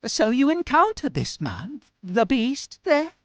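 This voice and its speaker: A woman acts a prim and theatrical confidant from an audio drama. The voice is fairly high and leaps about dramatically. It is proper, inquisitive and quick to astonishment, in a dry recording. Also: wildly swooping pitch, no echo, exaggerated voice. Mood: curious, surprised.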